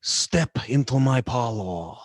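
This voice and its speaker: A man's voice: mid-range voice, expressive, takes it slowly, dry recording, studio quality. A man voicing a sinister, seductive French villainess from a video game. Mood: menacing, seductive.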